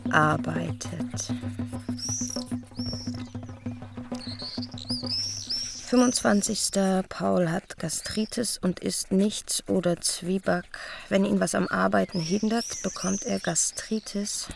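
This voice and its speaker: An actress playing a dreamy young woman who muses aloud from her diary in a radio play, speaking in a deliberate way. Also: medium pitch, creaky. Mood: deliberate, dry. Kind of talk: scripted first-person monologue in a radio play.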